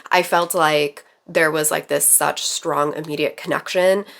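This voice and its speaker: A woman book vlogger chatting casually about her reading, a little raspy and rambling with fillers. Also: sits low, steady tone, a little slow, a bit bright. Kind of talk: casual chat.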